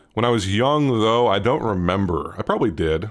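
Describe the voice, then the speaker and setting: A man speaks loudly, his intonation lively. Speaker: YouTuber. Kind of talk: casual commentary while taking a quiz. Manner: voice carries, loud; casual, rambling with fillers.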